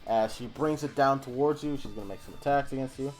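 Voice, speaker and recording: A man's voice: mid-range voice, fast talker, faint music behind. A man narrating a tabletop game as game master, rambling with many fillers.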